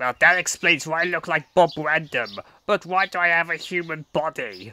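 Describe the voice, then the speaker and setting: A man uses a put-on character voice with a high pitch, speaking at a moderate pace. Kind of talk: audio play.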